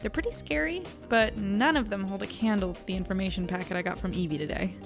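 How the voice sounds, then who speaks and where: A woman's voice: medium pitch, quick pace, over music, close to an everyday voice. A woman playing an anxious, self-doubting young newspaper editor, narrating and chatting wryly in an audio drama. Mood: wry, worried. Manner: wry, melodramatic, conversational. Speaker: narrator and lead character.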